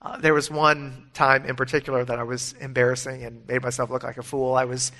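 A man's voice: medium pitch, little pitch movement, brisk, bright, forceful tone. A middle-aged man preaching a sermon, earnest and emphatic, mixing scripture with personal stories. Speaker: pastor.

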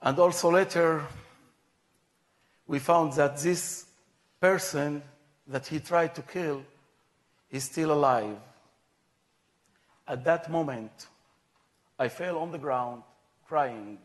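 A man from Israel, giving a personal testimony in slow, measured, plain phrasing. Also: fairly high pitch. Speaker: guest speaker.

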